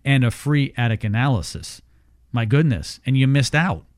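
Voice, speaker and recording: A man's voice: medium pitch, expressive, moderate pace, no echo. A man hosting a home-improvement radio show, teasing his guest and reading ads in a casual way. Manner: jokey, teasing banter. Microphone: studio microphone. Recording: dry studio sound.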